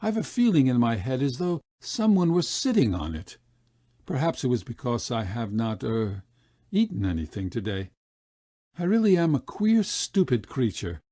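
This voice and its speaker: A man's voice: medium pitch, warm tone, slightly rough, no room sound, studio quality. A man voicing a hungry, self-pitying poor father who mutters and rambles hesitantly.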